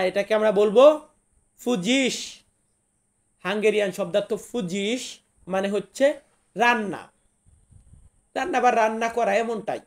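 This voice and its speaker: A man from Bangladesh with a notably high voice gives a casual vocabulary lesson. He repeats each new word slowly and talks straight to his viewers. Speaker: language teacher.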